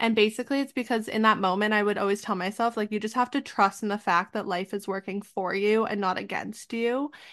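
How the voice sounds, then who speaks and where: A woman in a normal speaking voice, fairly high-pitched and fairly even in intonation, at a fairly quick pace with hardly any pauses, against a quiet background. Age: 20s. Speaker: PhD student and clothing brand founder. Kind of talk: casual interview chat.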